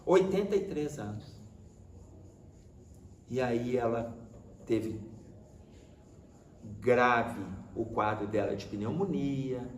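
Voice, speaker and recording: A man with a Brazilian Portuguese accent, telling a story conversationally in a religious study talk and acting out dialogue. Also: medium pitch. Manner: lively, conversational retelling with acted-out dialogue. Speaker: spiritist study speaker. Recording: roomy echo with faint background hiss.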